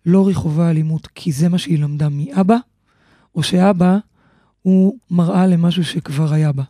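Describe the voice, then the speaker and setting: A woman's voice: on the low side, fairly even intonation, mellow, no room sound, clean studio sound. A woman in a casual podcast chat, asking questions and sharing her thoughts hesitantly. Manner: inquisitive, hesitant, with fillers.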